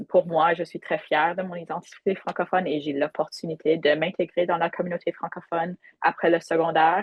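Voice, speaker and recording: A woman's fairly low, monotone, flat voice at a fairly quick pace. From western Canada (Manitoba, then British Columbia). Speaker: youth organization representative, panelist. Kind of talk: panel discussion. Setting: video call webinar.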